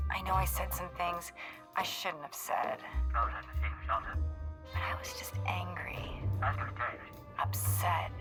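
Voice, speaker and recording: A flirtatious, manipulative starlet in a noir game. She speaks slowly and softly, a little low, over music. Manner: coaxing, flirtatious.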